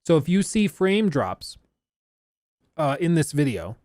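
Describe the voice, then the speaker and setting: A man's voice: fairly high pitch, sing-song, unhurried, darkish tone, no room sound, studio quality. A man giving casual, enthusiastic live reaction commentary on a stream, chatty and loose with fillers. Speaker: streamer reacting to a game showcase.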